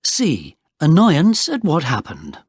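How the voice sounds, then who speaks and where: A man reading listening-test instructions slowly and deliberately, every word clearly spoken. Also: on the high side, huge pitch swings, darkish tone, dry recording, studio quality. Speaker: exam narrator.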